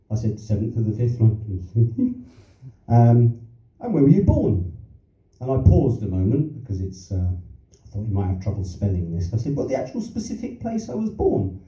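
A medium-pitched, mellow voice comes from an older Londoner performing stand-up in a small theatre, drifting through anecdotes with self-deprecating asides and chuckles. He speaks into a handheld mic, and because it was filmed from the audience, the audio is roomy, dull and distant.

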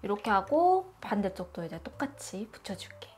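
A woman's voice: medium pitch, sing-song, normal speed, darkish tone, soft background music. A woman hosting a makeup tutorial, explaining each step in a chatty, informal way. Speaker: beauty YouTuber.

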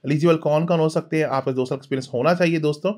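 A middle-aged man talks through job listings and visa pages over a screen recording, hesitant, with many pauses and fillers. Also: on the high side, fairly even intonation, a little mellow. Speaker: vlogger, career advisor.

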